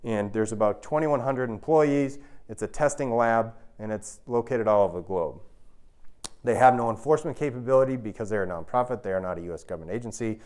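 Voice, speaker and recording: A man's voice: medium pitch, brisk, a little mellow, clean tone. An American man in his thirties lecturing to an audience in an emphatic, explanatory manner, often checking in with the listeners. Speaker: university researcher giving a public talk. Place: indoor lecture room with an audience.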